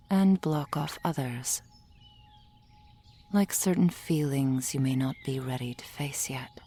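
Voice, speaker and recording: A woman playing a gentle, reassuring soul healer in an ASMR roleplay, speaking in a soft, formal whisper. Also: deep voice, slightly rough, heavily acted.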